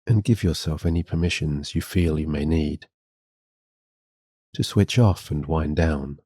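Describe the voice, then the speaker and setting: A man giving a scripted sleep hypnosis and guided meditation in a gentle, soothing, guiding way. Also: rumbling low, unhurried, husky, no echo, studio quality.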